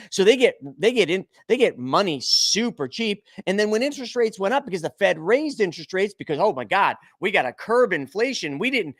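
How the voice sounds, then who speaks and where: High-pitched, animated, fiery ranting man. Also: no echo, studio quality. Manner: angry, sarcastic, profane ranting. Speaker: podcast co-host. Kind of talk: heated finance news commentary.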